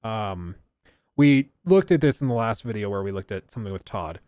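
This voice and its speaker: A man's voice: lowish voice, animated, moderate pace, a little mellow, clean tone, no room sound. A man giving casual, enthusiastic live reaction commentary on a stream, chatty and loose with fillers. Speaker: streamer reacting to a game showcase.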